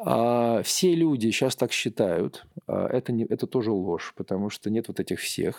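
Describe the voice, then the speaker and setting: With lively intonation and an ordinary speaking voice, a man talks at medium pitch in a dry, close sound with no echo. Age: 40s. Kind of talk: casual chat.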